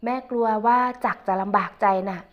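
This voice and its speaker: A woman voicing a gentle, grieving middle-aged stepmother who speaks softly and tenderly. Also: medium pitch, a little fast, natural voice. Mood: worried. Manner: soft, tender pleading. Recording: dull lo-fi recording.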